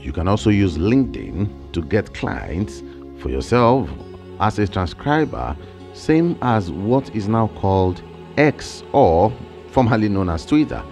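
A man in his thirties with a Nigerian accent, explaining online work ideas in an energetic, emphatic way, recorded close on a studio mic in a small home studio. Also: on the low side, gravelly. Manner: animated, emphatic, gestures with hands. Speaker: online income creator. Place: small home studio with shelves and plants, indoors. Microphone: large studio mic on a boom, close.

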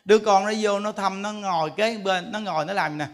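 A man giving a Buddhist sermon, telling stories in an animated way and acting out the voices of the people he quotes. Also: high-pitched, fairly quick. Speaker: Buddhist monk teacher.

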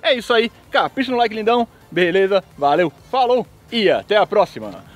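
A man's voice: high voice, sing-song, fairly quick. A young Brazilian man hosting a casual outdoor vlog, chatting informally to the camera and his friends. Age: young adult. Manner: informal, slangy. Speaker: video host. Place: outdoors by a car on open dirt ground.

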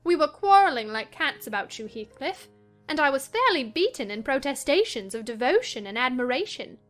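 A woman playing a spirited, mocking young gentlewoman in a dramatized audiobook, teasing theatrically. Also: high-pitched, big pitch swings, normal speed, soft background music. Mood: gleeful mockery.

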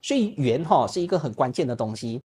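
A Buddhist monk speaks quickly at an ordinary pitch, answering questions from a lay audience. He jokes and acts out little examples, and peppers his sentences with soft filler particles. The sound comes through an online call. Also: slightly rough. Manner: lively, humorous, acts out examples. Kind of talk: Dharma talk answering questions. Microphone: online video call.

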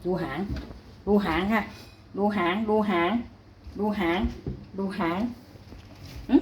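A woman's voice: mid-range voice, fairly even intonation, slow pace, a little hiss or hum. Chatty woman scolding her cats. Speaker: cat owner filming her cats. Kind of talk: casual vlog narration. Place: home indoors.

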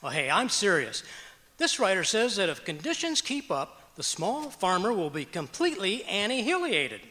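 A man's voice: high voice, big pitch swings, moderate pace, sharp tone, full character voice. A man playing a stubborn, blustery, folksy husband in an old-time radio comedy. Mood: earnest. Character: blustery, stubborn husband who hoards junk. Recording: echoey auditorium stage.

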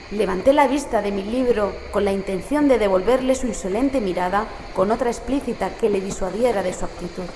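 Uneasy female narrator, acted by a woman, horror audiobook, mid pitch, echoey, metro train rumbling behind. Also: darkish tone, lightly acted. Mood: tense. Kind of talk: dramatic first-person audiobook narration. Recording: echoey, clear train ambience noise behind. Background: metro train ambience.

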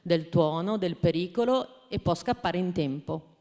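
A woman's voice: on the low side, a little slow, dark tone. A woman reading the lines of a proud male storybook rabbit in a plain read-aloud voice. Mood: boastful. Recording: long hall reverb.

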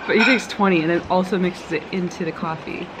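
A young adult woman vlogs casually while traveling through a rainforest, chatty and playful and poking fun at herself. Her voice is lowish with fairly even intonation and a quick pace. The noisy outdoor jungle recording carries insects and jungle ambience.

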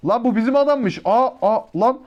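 High-voiced excitable male gameplay commentator. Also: moderate pace, muffled recording. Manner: excitable, slangy, chatty with teammates and viewers. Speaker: mobile shooter gameplay YouTuber.

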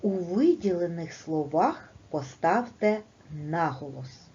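A woman teaching a lesson to young children, speaking slowly and stressing each word with a lively, sing-song lilt. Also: on the low side. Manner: slow and deliberate, stressing words emphatically. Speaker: primary school teacher. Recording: dull, lo-fi recording.

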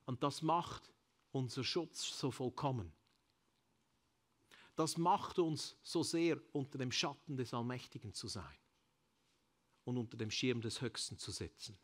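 A man with a Swiss German accent preaching a sermon in a church, rising to loud calls and dropping to quiet endings, slipping in English phrases. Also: mid-range voice, unhurried, long pauses. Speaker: pastor. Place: church service.

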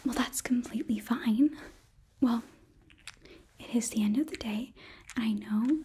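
A young woman playing a cheerful, nurturing demon princess hotelkeeper in a whispered ASMR roleplay, breathy, gentle and halting, close to the mic. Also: fairly high pitch. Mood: concerned, soothing. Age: young adult. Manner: gentle, bubbly, halting, reassuring. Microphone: close microphone, facing camera.

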